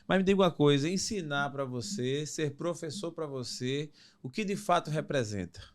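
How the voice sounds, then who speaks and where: A man's voice: fairly high pitch, expressive, normal speed. Effusive man hosting. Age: 50s. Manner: effusive, warm greetings and blessings. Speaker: podcast host. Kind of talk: casual interview chat.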